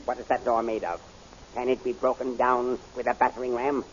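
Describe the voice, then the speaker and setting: A man's voice: mid-range voice, level tone, brisk, close to an everyday voice. Man acting a blustering general on hissy old radio. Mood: scheming, commanding. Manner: barking orders, theatrical. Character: blustering, impatient enemy military general, commanding rebel soldiers. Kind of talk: 1930s radio serial acting. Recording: hissy, muffled 1930s radio recording.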